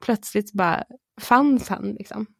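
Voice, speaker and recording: A woman as a podcast guest, telling a candid personal story in a lively way, acting out quotes and swearing with frequent laughs. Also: medium pitch, creaky, husky, no echo, studio quality. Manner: lively, acts out her own quotes, swears and laughs often.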